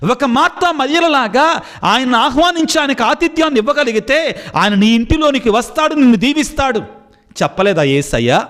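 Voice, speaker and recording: A Catholic priest with a brisk, fairly bright voice delivers an impassioned sermon, then leads a spoken prayer. His preaching climbs high in pitch whenever he makes an appeal.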